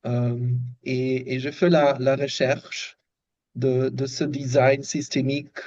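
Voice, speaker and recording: Very slow, halting man with German accent. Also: mid-range voice, level tone, a little mellow, muffled recording. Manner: halting, searching for words. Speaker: workshop participant, systemic design researcher. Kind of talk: slow, thoughtful remarks in a second language. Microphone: video call microphone.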